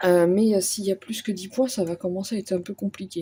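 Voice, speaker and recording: Her pitch sits at a medium level for a woman. She speaks at a moderate pace with monotone, flat intonation. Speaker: cross-stitch video creator. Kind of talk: casual vlog talk. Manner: hesitant, many fillers.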